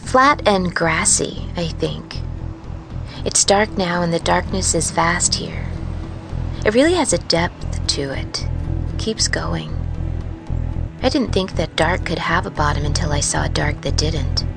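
A haunted, low-voiced truck driver over music. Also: female voice, huge pitch swings, slow, creaky, exaggerated voice. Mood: uneasy, brooding. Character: weary, haunted woman truck driver, musing and wry. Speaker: narrator of serial fiction podcast. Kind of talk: dramatic first-person audio fiction monologue.

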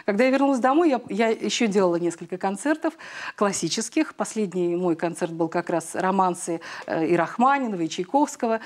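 A woman's voice: mid-range voice, lively intonation, a little fast, a little mellow. A middle-aged woman, a singer, answering interview questions in a TV studio, chatty, with frequent hesitations, on a lapel mic. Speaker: guest singer.

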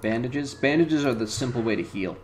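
A man's voice: medium pitch, expressive, normal speed, a little mellow, soft background music. A man in his thirties casually commenting on the game he is playing, thinking aloud with lots of fillers at home. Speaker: let's play host. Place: home room.

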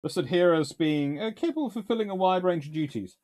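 A man's voice: sits high, animated, brisk, a little mellow. A British man in his thirties, a naval historian host, chatting casually from a book-lined home study with dry, wry asides and sudden bursts of enthusiasm. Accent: British English. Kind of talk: casual chat reviewing books and answering questions.

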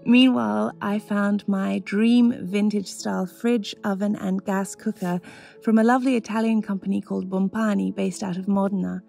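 Give me a chatty woman with a gravelly edge to her voice. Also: mid-range voice, steady tone, moderate pace, a little mellow, soft background music. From Australia. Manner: enthusiastic, chatty, laughs often. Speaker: lifestyle vlogger. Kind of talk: voice-over narration and casual vlog talk. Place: home kitchen in Tuscany.

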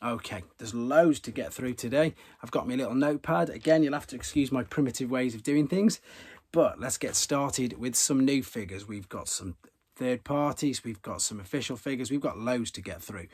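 A man's voice: mid-range voice, moderate pace, husky. A man in his thirties hosting a casual toy news vlog, chatty and enthusiastic, often repeating himself, recorded close up in a room full of toys. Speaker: toy channel host. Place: room with toy shelves behind.

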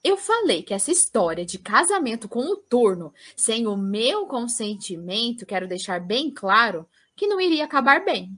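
A defiant young princess , acted by a woman in a comic audio drama. Her voice sits fairly high, and she delivers everything with sarcastic, theatrical exasperation. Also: big pitch swings, normal speed, hardly any pauses, a bit bright. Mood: indignant.

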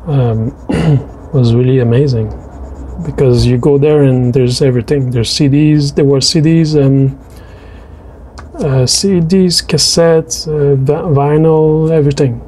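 Male French Canadian voice-over, native French speaker, hesitant and chatty, mellow tone, mid pitch. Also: fairly even intonation, slow pace, a little hiss or hum, poor audio. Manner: hesitant, many restarts and fillers. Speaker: artist narrating a drawing video. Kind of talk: casual voice-over chat.

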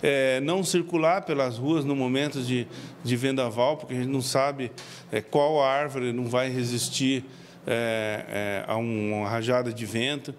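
Halting Brazilian official at a press mic. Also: male voice, mid-range voice, fairly even intonation, a little hiss or hum. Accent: Brazilian Portuguese. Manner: halting, many "é" fillers, explanatory. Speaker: civil defense official. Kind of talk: press interview. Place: indoors before a press backdrop. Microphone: several handheld reporter mics.

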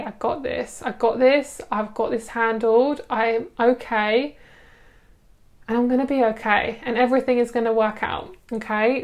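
This fairly high-pitched young adult woman does a tarot card reading for the camera, her manner chatty and soothing. Lots of fillers crop up as she enthuses over each card.

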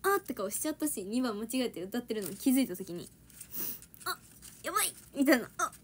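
A woman's voice: fairly high pitch, expressive, racing, slight background noise. A young woman chatting casually on a livestream, giggling and answering viewers' comments. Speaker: idol trainee livestreaming to fans.

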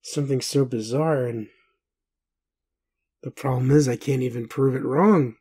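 A man playing a bewildered, doubting but gentle partner in an intimate roleplay audio, speaking haltingly with pauses. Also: medium pitch, steady tone, slightly rough. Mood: incredulous. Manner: halting, hesitant, full of pauses and sighs.

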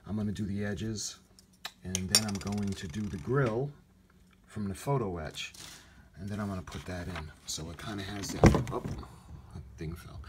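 A man giving a casual hands-on hobby tutorial, thinking aloud in a halting way as he works at home. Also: on the low side. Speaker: hobby model builder, video host. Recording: noisy handheld home video sound.

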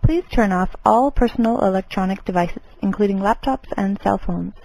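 A woman playing a composed, polite flight attendant reading a formal, measured airline safety announcement. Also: mid-range voice, creaky, mellow, a little hiss or hum, lightly acted, rough recording. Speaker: flight attendant in a listening lesson.

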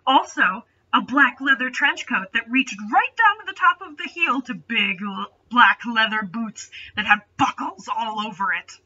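Sharp, bright young woman reading mockingly. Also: on the high side, animated, measured pace, hardly any pauses, breathy edge, muffled recording. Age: young adult. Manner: sarcastic, mocking. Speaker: host reading fan fiction aloud. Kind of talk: dramatic story reading with sarcastic asides. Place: small bedroom, indoors.

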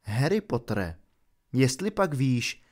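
A man voicing a young male centaur in an audiobook, speaking in a measured, earnest way. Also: mid-range voice, big pitch swings, a little mellow. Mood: grave. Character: young male centaur, calm grave protector. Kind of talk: audiobook character voice.

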